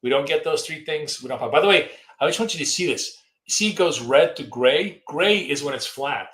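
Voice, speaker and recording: A man hosting a long live trading stream, rambling casually through market commentary and viewer questions, his voice going hoarse. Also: fairly high pitch, expressive, fairly quick, a bit bright, echoey room.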